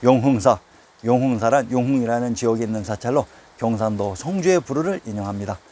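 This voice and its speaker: Man, scripted history narration, even middle voice, names read as headings. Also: medium pitch, quick pace. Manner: steady reading, announces each place name as a heading.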